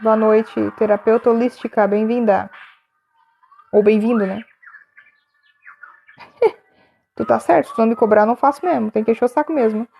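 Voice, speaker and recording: A woman's voice: a little high, fairly even intonation, normal speed, creaky, long pauses, dark tone. A woman chatting casually on a live stream, laughing often and reading viewers' names from the chat.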